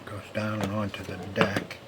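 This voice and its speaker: A man with a fairly low voice talks casually through hands-on repair work. He mutters to himself in a plain, folksy way as he goes. The recording is clearly noisy, like an unpolished home video. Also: monotone, moderate pace.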